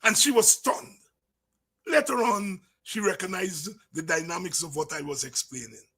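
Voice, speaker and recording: A man's voice: moderate pace, slightly rough. A middle-aged man with a Guyanese accent giving an impassioned, informal talk as a political commentator, telling anecdotes and repeating phrases for emphasis. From Guyana, from the countryside. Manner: emphatic, repeats words and phrases, swings from low asides to shouts.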